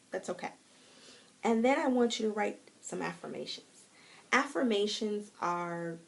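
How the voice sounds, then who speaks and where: Encouraging woman with a gravelly edge. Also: lowish voice. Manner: encouraging, animated, laughs lightly. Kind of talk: live-streamed motivational talk. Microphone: phone mic.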